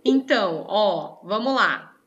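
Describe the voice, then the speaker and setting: A woman's voice: mid-range voice, slow pace, highs cut off, crowd noise. A woman teacher with a Brazilian Portuguese accent, explaining a lesson in an online class and often checking in with her students. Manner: lively, questions the students often.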